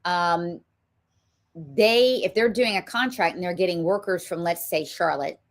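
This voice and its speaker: A woman's voice: fairly low pitch, a little slow. A woman with a Southern US accent, hosting a political talk show and speaking emphatically, with frequent ums. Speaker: show host.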